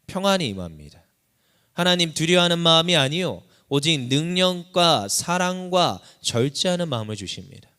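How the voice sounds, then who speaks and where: A man's voice: fairly high pitch, very animated, moderate pace, pushed and bright, smooth. A man preaching a sermon as pastor, impassioned, his voice climbing sharply whenever he cries out a prayer. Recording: long reverb of a church hall.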